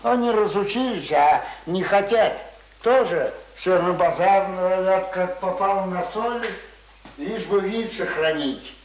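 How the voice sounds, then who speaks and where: A grumbling old country man in a radio drama. His voice is high for a man and he talks slowly, in plain, stubborn village speech. The recording is roomy, with faint noise. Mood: gruff, grudging. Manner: folksy, colloquial, grumbling. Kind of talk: radio play acting.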